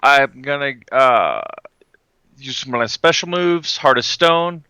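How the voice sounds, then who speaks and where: A man's voice: medium pitch, slow, pushed and bright, clear, resonant tone, no echo. A man playing a tabletop role-playing game, describing his moves in casual, playful table talk.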